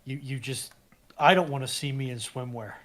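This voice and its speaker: A man's voice: medium pitch, normal speed, a bit bright. A man chatting casually on a livestream with a wry, self-deprecating manner. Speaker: co-host or guest on livestream. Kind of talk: casual chat.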